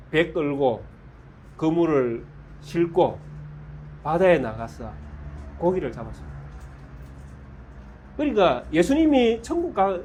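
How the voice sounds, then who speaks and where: A male pastor delivers an emphatic sermon. His slightly high, husky voice moves widely in pitch, and he shifts from loud stresses to hushed lines while posing rhetorical questions.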